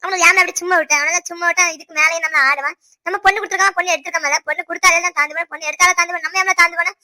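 A performer voicing a scolding middle-aged village mother-in-law in a cartoon, with a Tirunelveli Tamil accent and a sharp, rapid-fire way of talking. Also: high voice, steady tone. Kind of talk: cartoon voice acting.

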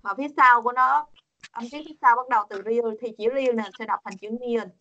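A woman's voice: a little high, fast, sharp tone, lo-fi sound, a little hiss or hum. A woman teaching a Korean pronunciation lesson over a video call, patient and coaxing, repeating words for her students.

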